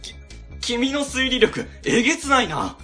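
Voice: high-pitched, very animated, measured pace, bright, forceful tone, soft background music, heavily acted. An actor playing a timid, easily frightened section chief who stammers, in an amateur web radio drama. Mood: scared. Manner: stammering, jumpy.

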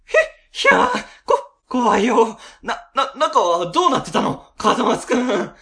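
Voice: mid-range voice, big pitch swings, a little slow, bright, forceful tone, full character voice. An actor playing a timid, easily frightened section chief who stammers, in an amateur web radio drama. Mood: scared. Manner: stammering, jumpy.

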